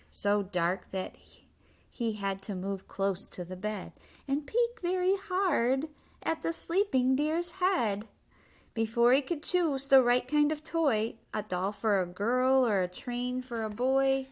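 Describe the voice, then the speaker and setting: A woman with a fairly high voice reads a children's picture book aloud. She takes her time, delivering rhyming verse at a very slow, measured pace with an expressive storyteller's touch. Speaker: story reader.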